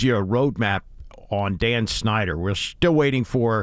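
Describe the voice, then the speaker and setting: In an unremarkable speaking voice, a man talks at a fairly low pitch with ordinary pitch variation on a very clean recording with a silent background. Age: 60s. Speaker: sports radio host. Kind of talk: radio talk show monologue.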